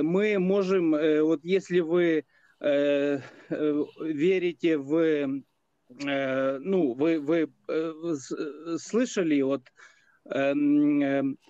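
A man from Ukraine calling into a live stream, debating in a halting, deliberate way with drawn-out hesitations over an internet call. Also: fairly high pitch, a little mellow, dry recording. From Lviv, Ukraine. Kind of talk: unscripted debate. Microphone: internet video call. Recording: dull lo-fi call audio.

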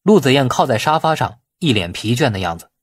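A man's voice: medium pitch, very animated, brisk, slightly rough, dry recording. A man narrating a novel as a scripted audiobook.

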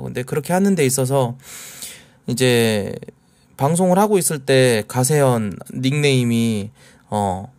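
A man's voice: mid-range voice, a little mellow. A man casually commenting on clips as a streamer, relaying what he has heard with many hesitant fillers.

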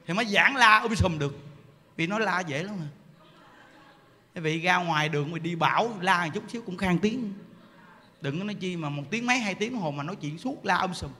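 A man, a Buddhist monk, giving an animated, joking dharma talk and acting out people's voices. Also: high voice. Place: temple hall. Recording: hall reverb with faint ambience.

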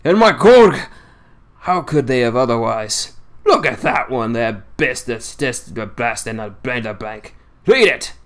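Old sailor, scornful and grumbling, broad dialect, as an audiobook reader puts him on. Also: male voice, mid-range voice, lively intonation, a little slow, close to an everyday voice. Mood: mocking. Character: boastful grumbling old male Yorkshire seaman. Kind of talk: audiobook reading.

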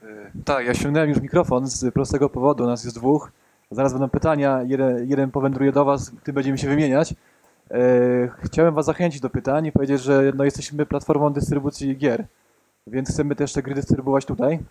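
A man's voice: medium pitch, little pitch movement, fairly quick, mellow, no room sound. A man in his thirties co-presenting at a tech meetup into a handheld mic in a conference room, joking and stumbling over restarts. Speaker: conference co-speaker. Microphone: handheld microphone.

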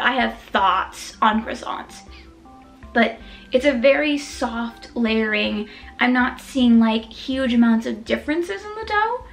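A woman's voice: a little high, gravelly, fairly bright tone. A woman hosting a mukbang, chatting casually about desserts while chewing and tasting. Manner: chatty and self-deprecating, talks while chewing. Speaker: food vlogger.

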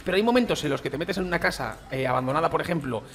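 There's slight background noise as a Spanish gaming YouTuber comments on his play very fast, his slightly high, somewhat bright voice full of lively intonation. Chatty and slangy in Spain Spanish, he talks right at his viewers, calling them "chicos" and "tío".

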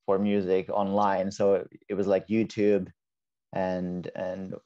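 A man's voice: low-pitched, slow. A Finnish man in his twenties, a native Finnish speaker, chatting casually as a guest, full of likes and you knows. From Finland. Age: 20s. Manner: relaxed, lots of like and you know. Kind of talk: casual interview chat. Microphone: earbud mic on a video call. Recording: dull lo-fi video call audio.

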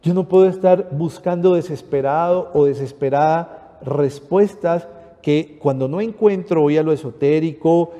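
A Panamanian priest preaching a homily in a deep, mellow, dark-toned voice that sits a touch higher than most men. He speaks earnestly and keeps addressing the listeners as brothers. A long reverb trails after his words, as in a large hall. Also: normal speed. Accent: Panamanian Spanish. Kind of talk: sermon.

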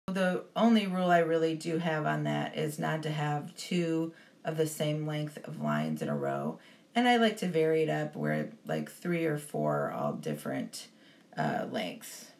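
Low-voiced woman explaining cake steps, gravelly, easygoing with lots of ums. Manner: relaxed, explanatory, frequent ums. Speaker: baking instructor. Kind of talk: instructional voice-over.

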